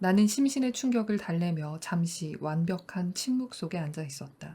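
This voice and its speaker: A woman with a fairly low, somewhat breathy voice and a dark, mellow tone speaks at a fairly slow pace with lively intonation. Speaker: audiobook narrator. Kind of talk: literary fiction reading. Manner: calm, soothing.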